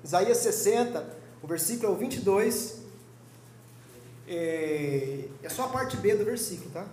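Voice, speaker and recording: A young man with a Brazilian Portuguese accent teaching a Sunday school sermon in a lively, joking, conversational way. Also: sits high, unhurried, roomy sound, a little hiss or hum. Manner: lively, joking, conversational preaching with quoted voices. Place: church hall.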